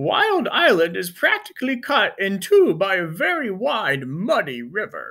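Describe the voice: A man's high-pitched put-on character voice at a moderate pace, with hardly any pauses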